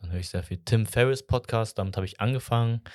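A man at a medium pitch with fairly even intonation, dry, close sound with no echo, and a very clean recording with a silent background. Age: 20s. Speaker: podcast co-host. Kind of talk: casual chat.

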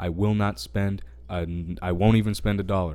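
Set in audible room echo, a man's very deep, low voice has a dark, mellow tone, moving at a moderate pace with ordinary pitch variation. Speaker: podcast host. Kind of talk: casual chat.

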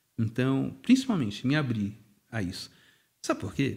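A somewhat breathy male voice with very wide pitch swings. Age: 40s. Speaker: adoptive father of six. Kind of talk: testimony.

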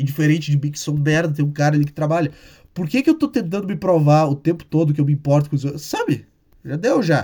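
A quiet man speaks at a fairly high pitch with a dark, mellow tone and a somewhat breathy quality. His intonation stays fairly even, and his pace is fairly quick. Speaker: podcaster. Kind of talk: casual solo monologue. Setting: home bedroom at night. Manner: speaking quietly.

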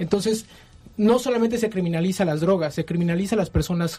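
A man speaks in a high voice. His tone is dark and mellow, with fairly even intonation. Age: 20s. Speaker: journalist. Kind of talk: news interview.

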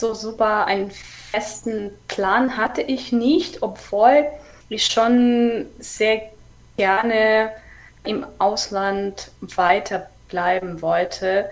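At a very slow pace, a woman with a Ukrainian accent speaks in a fairly high pitch. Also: ordinary pitch variation. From Ukraine. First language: Ukrainian (speaking German). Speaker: immigrant. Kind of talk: interview. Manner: hesitant, many fillers.

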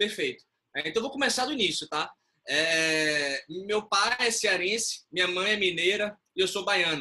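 Raised and projected, a man's voice carries a bright, sharp tone and high pitch. He speaks at a fairly slow pace with lively intonation. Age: 20s. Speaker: community leader in self-knowledge education. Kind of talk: interview.

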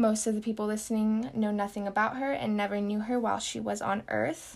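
A woman at medium pitch and a fairly quick pace, in a very clean recording with a silent background. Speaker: podcast host. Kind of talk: personal monologue. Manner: calm.

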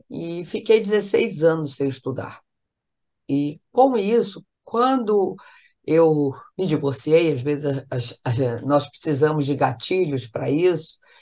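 With a dark, mellow tone and a fairly low pitch, a woman speaks very slowly with very wide pitch swings over a quiet background. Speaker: lawyer and law professor. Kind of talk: interview. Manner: halting, frequent repetitions.

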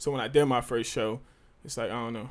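Very fast speech from a man with a New York accent, monotone and flat in intonation. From New York City (Castle Hill, Bronx). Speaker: rapper, one half of a hip hop duo. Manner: profane, casual.

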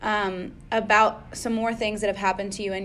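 A woman with an American accent speaks at a medium pitch. Her intonation stays monotone and flat. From Texas, Austin. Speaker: podcast host. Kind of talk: interview.

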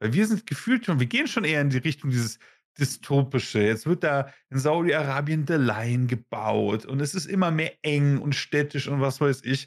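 A man speaks in a normal speaking voice, fairly high in pitch, with ordinary pitch variation, very even loudness and a moderate pace. The recording is very clean, with a silent background. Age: 20s. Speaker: podcast host. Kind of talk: casual chat.

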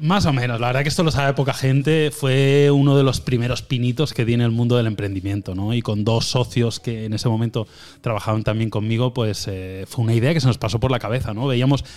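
A man with a plain, everyday voice, medium in pitch, at a fairly quick pace with ordinary pitch variation. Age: 30s. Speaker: tech YouTuber and entrepreneur. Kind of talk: interview.

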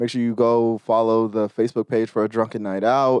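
A normal speaking voice with an American accent, fairly quick and fairly even in intonation, in a dry, close sound with no echo against a quiet background. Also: man. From US Pacific Northwest, Tacoma, Washington. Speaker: comedian. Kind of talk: casual chat.

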